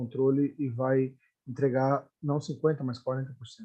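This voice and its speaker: A man talks with a Portuguese accent. His pace is fairly quick. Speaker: simultaneous interpreter. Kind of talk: simultaneous interpretation.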